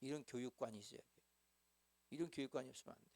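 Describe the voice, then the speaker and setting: Gravelly middle-aged pastor, teaching. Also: male voice, mid-range voice, rapid-fire, a little mellow, no echo. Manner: talkative, acts out quoted dialogue, asks the audience for responses. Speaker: senior pastor. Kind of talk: teaching session for small-group leaders. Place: church education hall.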